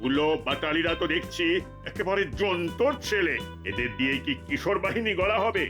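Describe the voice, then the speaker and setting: A man's voice: sits high, expressive, fairly quick. Stern senior cartoon policeman. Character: stern, authoritative senior male police officer. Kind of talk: cartoon acting. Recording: music behind the voice.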